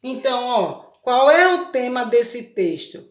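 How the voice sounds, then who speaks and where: A woman's voice: on the high side, very animated, unhurried. A Brazilian woman teaching a recorded lesson to young children. She explains step by step and keeps checking that they follow. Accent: Brazilian Portuguese. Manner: patient, explains step by step with many check questions. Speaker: primary school teacher. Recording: echoey room.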